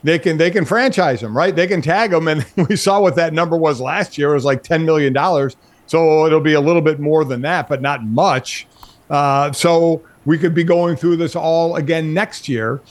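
A man's voice: fairly high pitch, moderate pace. A man co-hosting a casual sports discussion, repeating words as he reasons things out. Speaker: sports talk co-host.

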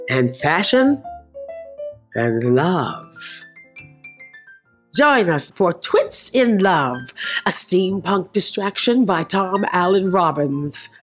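A woman narrating a scripted trailer in a measured, storytelling manner. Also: on the low side.

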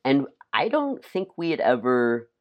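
An actor chatting casually as an interview guest, speaking haltingly and peppering sentences with "like". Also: medium pitch, big pitch swings, highs cut off. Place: at home, remote session.

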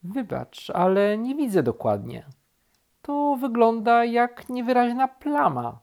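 A woman voicing a calm, gentle female bear in a storybook, speaking in a mild, thoughtful way. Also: a little high, takes it slowly, creaky, pitched above the performer's own voice, full character voice.

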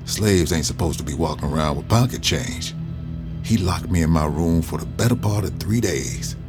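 A man's voice: sits low, normal speed, over music. An older man recalling his youth in a plainspoken, folksy way for an interviewer. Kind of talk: storytelling in an interview.

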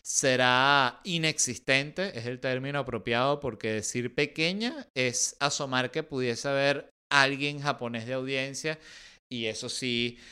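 A man's voice: mid-range voice, measured pace, pushed and bright, clear, resonant tone. A man with a Venezuelan accent hosting a podcast, talking in a casual, sarcastic comedic monologue and swearing freely. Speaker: podcast host.

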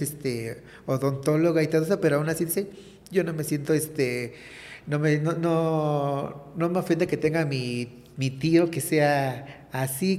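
A woman's voice: low-pitched, darkish tone. Trans woman, interviewee, rambling and earnest, recorded with hall reverb. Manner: earnest, rambling with many fillers. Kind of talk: candid personal testimony.

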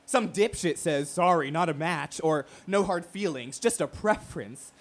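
An actor playing a brash, wounded, proud gay radio talk show host in an emphatic, profane, theatrical monologue. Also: male voice, a little high, expressive, normal speed. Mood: indignant, impassioned.

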